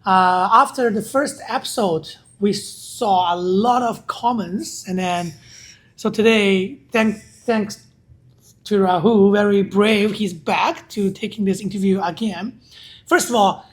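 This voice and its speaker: Host, Chinese accent, non-native English speaker, husky voice, short direct questions, echoes answers back. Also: mid-range voice, slow pace. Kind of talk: casual interview.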